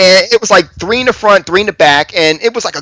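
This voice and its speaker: A man speaks in a raised, projected voice at a fairly quick pace. His tone is bright and sharp, with ordinary pitch variation and a dry, close sound with no echo. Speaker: YouTuber guest. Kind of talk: casual chat. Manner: fast.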